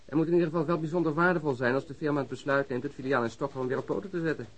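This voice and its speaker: An actor playing a dry, wry police detective in a radio crime drama, speaking colloquially. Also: male voice, fairly high pitch, very fast, natural voice, rough recording. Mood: wry, summing up. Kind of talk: Dutch radio drama dialogue.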